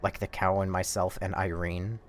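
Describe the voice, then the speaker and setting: A man's voice: sits low, little pitch movement, moderate pace, faint music behind. A man streaming a game, telling a story in a rambling, profane, casual way. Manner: rambling, profane, laid-back.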